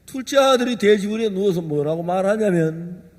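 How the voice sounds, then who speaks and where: A male pastor delivers an impassioned sermon, sliding between hushed asides and loud outbursts. His voice sits high for a man. A long reverb trails after every phrase in the large church hall. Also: lively intonation, normal speed. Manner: emotional storytelling, swings from hushed to loud.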